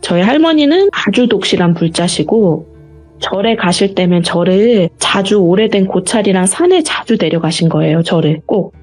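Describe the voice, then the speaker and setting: A woman's voice: medium pitch, lively intonation, normal speed, a little mellow, faint music behind. A woman guest in an interview, retelling a personal story earnestly and vividly.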